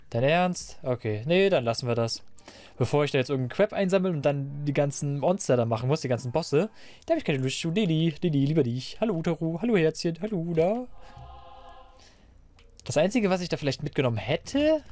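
A man giving casual, playful Let's Play commentary, talking to the game and his viewers, his voice a bit hoarse. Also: medium pitch, darkish tone. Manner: playful, talks to the game and viewers, silly noises. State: slightly hoarse, clearing throat.

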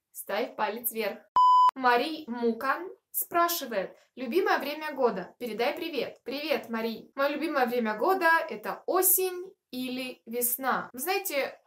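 High-pitched young woman vlogging. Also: a bit bright. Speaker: video blogger answering viewer questions. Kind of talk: casual chat to camera. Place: small furnished room, indoors.

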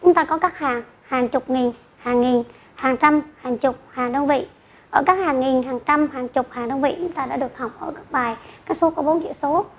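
A woman teacher giving an online math lesson to children, speaking slowly and carefully and reading out numbers digit by digit. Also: high voice. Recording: dull lo-fi recording with faint noise.

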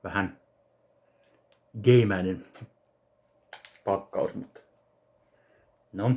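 A man in his thirties from Finland, casually narrating an unboxing of a fan package in his home kitchen, speaking slowly and haltingly to a webcam. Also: deep voice, fairly even intonation, darkish tone. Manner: slow, halting, listing items one by one. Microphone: webcam at desk distance.

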